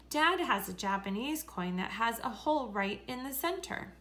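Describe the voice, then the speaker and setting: A woman reading a children's story aloud in a deliberate, expressive way. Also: mid-range voice. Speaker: story reader.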